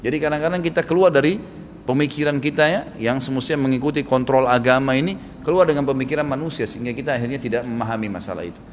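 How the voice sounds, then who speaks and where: A man's voice: mid-range voice, rapid-fire, slight background noise. A man preaching a sermon, telling a story and acting out its dialogue with animation. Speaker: Islamic preacher. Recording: long hall reverb, faint ambience.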